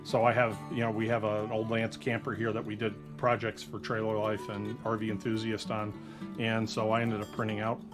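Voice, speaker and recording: A man's voice: on the low side, monotone, moderate pace, over music. A man who is a guest RV technician and former technical editor, giving practical advice in a casual, plain-spoken way. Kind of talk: casual live Q&A chat.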